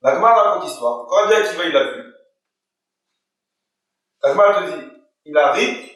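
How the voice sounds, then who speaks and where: During a Torah class in a hall or study room, a rabbi retells a story to his listeners, voicing its characters in quoted dialogue and posing questions to the room. His voice is on the high side, with lively intonation, normal speed and a fairly bright tone. The room is very echoey and he is far from the mic.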